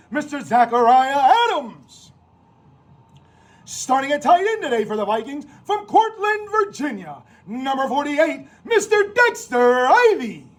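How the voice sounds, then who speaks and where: A male American public address announcer with an extremely high-pitched voice. His delivery swoops up and down as he announces football lineups, stretching out names with theatrical flair. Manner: theatrical, drawn-out name calls.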